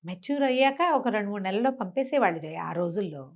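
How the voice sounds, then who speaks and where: A woman telling a village tale in a conversational way, animated and chatty with explaining asides. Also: mid-range voice, fast talker, lo-fi sound. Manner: animated retelling, acting out characters' remarks, explaining asides to a co-host. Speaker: storyteller. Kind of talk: conversational oral storytelling of a village folk tale.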